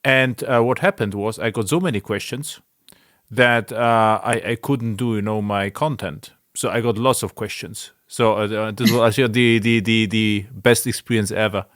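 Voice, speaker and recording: A man hosting a casual interview podcast, speaking in a halting way with non-native English phrasing. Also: on the low side, fairly even intonation, a bit bright, no echo, clean studio sound. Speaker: podcast host.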